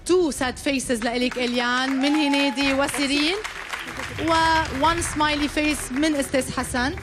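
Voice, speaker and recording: Quick high-voiced Lebanese woman hosting. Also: fairly even intonation. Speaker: talent show host. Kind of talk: show presenting. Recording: music and crowd behind.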